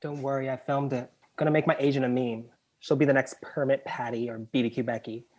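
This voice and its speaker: A man's voice: mid-range voice, level tone, a little fast, a little mellow, natural voice. A man acting a sassy, unbothered young gay man with a dry delivery in a comedy table read.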